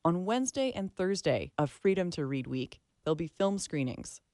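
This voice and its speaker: A woman's voice: fairly low pitch, very animated, moderate pace, mellow, no room sound, studio quality. A woman hosting a radio arts show, reading scripted narration.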